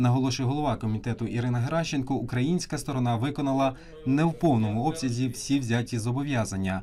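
The voice has a dark, mellow tone, ordinary pitch variation and a very fast pace. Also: man. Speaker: TV reporter. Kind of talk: news report narration.

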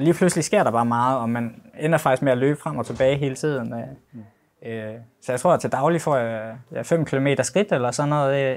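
This is a man with an ordinary speaking voice. His pitch sits in the medium range. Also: ordinary pitch variation, fairly quick pace. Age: 20s. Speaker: engineer. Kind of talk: casual chat. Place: studio. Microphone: lapel.

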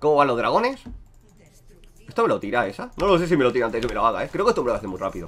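Over faint background music, a man speaks very fast at a fairly high pitch, with very wide pitch swings and long, frequent pauses. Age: 30s. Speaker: gaming streamer. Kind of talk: live gameplay commentary. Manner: animated. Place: home room.

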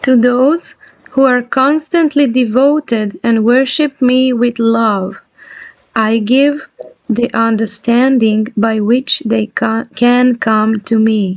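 A woman speaks at a very slow pace and a fairly high pitch, with ordinary pitch variation and very even loudness. The sound is dry with no echo over a quiet background. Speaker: devotee in spiritual community. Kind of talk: casual introduction; scripture reading. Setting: video call. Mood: calm, devotional. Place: home room. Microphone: webcam.

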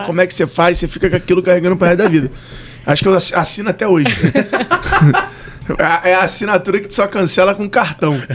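With noticeable background noise behind him, a man talks at a high pitch. His pace is very fast, broken by long, frequent pauses. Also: ordinary pitch variation. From Rio de Janeiro, Tijuca. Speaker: entrepreneur. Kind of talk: podcast interview answer. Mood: relaxed, amused storytelling. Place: studio. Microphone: studio mic.

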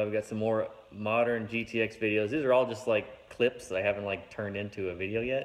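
Fairly even intonation from a man, delivered at a fairly quick pace. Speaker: car restorer vlogger. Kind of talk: casual vlog chat. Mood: relaxed, laughing. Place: garage. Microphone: phone near.

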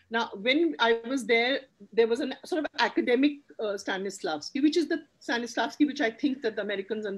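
With an Indian accent, a woman speaks at a moderate pace with lively intonation against a quiet background. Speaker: theatre director and teacher; teacher. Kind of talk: lecture. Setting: video call. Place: home room. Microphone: video call.

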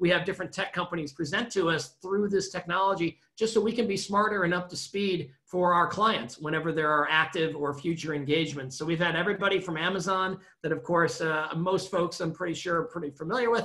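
With a high pitch and ordinary pitch variation, a man talks at a fairly quick pace. He leaves hardly any pauses, and the background is quiet. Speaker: consulting firm head hosting webinar. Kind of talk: webinar presentation. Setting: video call. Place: home room. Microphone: webcam.

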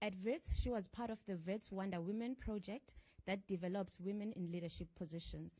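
Against a quiet background, a woman speaks at a moderate pace in a medium-pitched, somewhat breathy voice with a dark, mellow tone and fairly even intonation. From South Africa. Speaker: student leader, moderator; webinar host. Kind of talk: webinar moderation. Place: hall.

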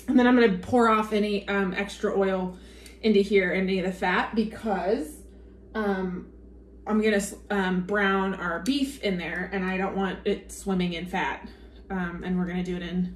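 Recorded with audible room echo and light background noise, a woman speaks at a moderate pace with fairly even intonation. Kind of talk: casual cooking tutorial. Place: kitchen. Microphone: phone near.

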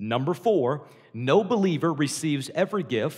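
A man at a moderate pace with lively intonation, over a quiet background. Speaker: pastor. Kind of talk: sermon. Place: church.

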